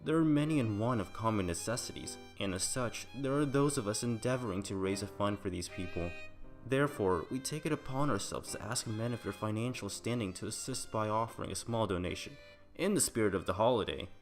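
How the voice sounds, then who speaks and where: A man's voice: on the low side, brisk, faint music behind, close to an everyday voice. A man acting as a polite, earnest charity collector in a fan audio drama, formal in manner. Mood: formal, solicitous.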